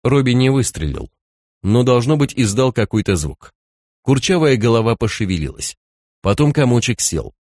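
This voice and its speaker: A man narrating a thriller audiobook in an even, measured storytelling voice on a close studio mic. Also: mid-range voice, no echo. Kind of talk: scripted narration.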